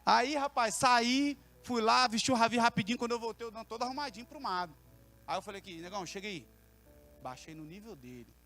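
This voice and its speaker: A man's voice: very high-pitched, expressive, fast, sharp tone, faint music behind. A man preaching with a Brazilian Portuguese accent in a church service, telling stories in a colloquial, humorous way. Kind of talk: sermon.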